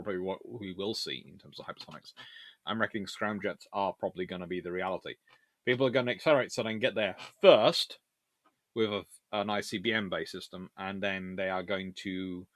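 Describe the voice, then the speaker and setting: A man hosting a casual live question-and-answer stream on naval history, chatty and animated, talking in a stop-start way with trailing asides. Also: sits low, no room sound. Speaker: livestream host answering viewer questions.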